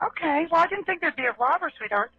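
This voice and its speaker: A woman working as an emergency dispatcher, calming and questioning a child with endearments over a muffled telephone recording. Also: high-pitched, fast, no room sound. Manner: reassuring, uses endearments with a child.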